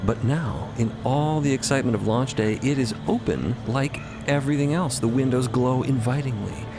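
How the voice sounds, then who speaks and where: A man delivers dramatic fantasy narration at a medium pitch over loud music. He is deliberate and suspenseful, stacking repeated phrases for effect.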